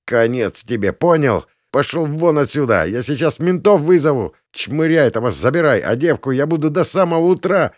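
A man's voice: a little high, lively intonation, normal speed, hardly any pauses, no room sound, clean studio sound, voice pushed up, lightly acted. A man voicing a drunk, arrogant, spoiled young man who talks in a brash, whiny, threatening way. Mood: furious.

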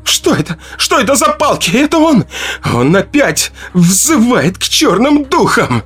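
A man's voice: very high voice, sing-song, measured pace, a bit bright, husky, faint music behind, voice pushed up, exaggerated voice. A man voicing a frantic, hostile tribal herbalist woman who screams wild accusations. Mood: accusing.

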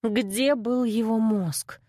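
A woman's voice: fairly high pitch, steady tone, slow, warm tone, no room sound, clean studio sound. A woman reading a first-person novel aloud with emotional expression. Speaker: audiobook narrator. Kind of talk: first-person audiobook narration.

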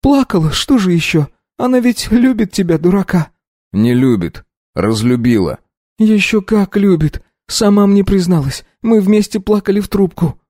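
A man's voice: lively intonation, moderate pace, mellow, no echo, studio quality. A man putting on a tearful middle-aged mother. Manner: sobbing, pleading, high-pitched.

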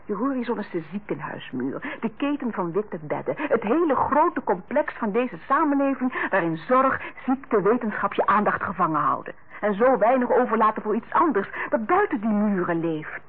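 Radio drama role: friendly housewife, coaxing and earnest, very animated intonation, husky, lo-fi vintage recording. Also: female voice, medium pitch, moderate pace, few pauses. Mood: earnest, pleading. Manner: coaxing, earnest, hesitant when criticising. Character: friendly, tactful housewife, hostess to her sister-in-law. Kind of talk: old Dutch radio play acting. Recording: muffled, lo-fi old radio recording.

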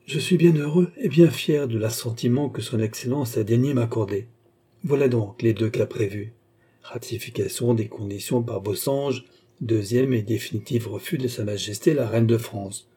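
A courteous, anxious older-style jeweler in a storybook read-aloud, as a man reads him. The voice is mellow and slightly husky, measured and respectful. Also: medium pitch, close to an everyday voice. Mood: deferential. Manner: polite and formal. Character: anxious, deferential middle-aged male jeweler.

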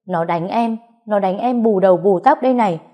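A woman voicing a jealous, scheming young woman who whines and accuses in a high, shrill voice. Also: brisk, lo-fi sound, natural voice. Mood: whiny pleading.

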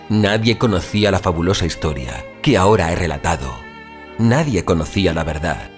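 An actor playing an anguished injured father waking from a coma, in a halting, brooding monologue for audio fiction. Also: deep voice. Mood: solemn, reflective. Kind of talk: dramatic first-person audio fiction monologue.

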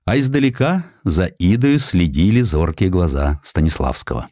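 An audiobook narrator with a deep voice reads a literary work of history, his delivery animated and theatrical, swinging widely in pitch and punctuated by dramatic pauses. The tone is darkish, and the recording sounds dry and close, like a studio microphone with no echo.

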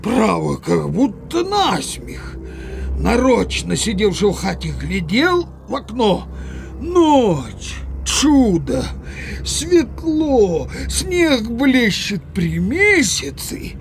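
A slow, swooping, grumbling Cossack villager. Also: male voice, high-pitched, very animated, gravelly, a little hiss or hum, heavily acted. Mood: grumbling, indignant. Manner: drawn-out, exclamatory, muttering grumble. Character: grumbling, exclaiming village Cossack godfather, indecisive and sociable. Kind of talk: theatrical audio play acting.

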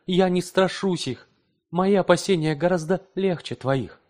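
A man voicing a devoted young wife who speaks with calm, dignified pride. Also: high-pitched, measured pace, voice pushed up. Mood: firm.

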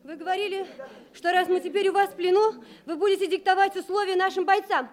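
A woman's voice: very high-pitched, fairly even intonation, fast talker. An actress playing a brave, defiant young girl, an officer's daughter, earnest in a radio drama style. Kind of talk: Soviet radio drama acting. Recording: old radio drama with background music.

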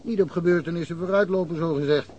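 A man's voice: on the high side, fast, darkish tone, dull audio, natural voice. A man playing a rambling village police chief. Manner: rambling, anecdotal storytelling. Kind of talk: radio play acting. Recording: old radio play with faint hiss.

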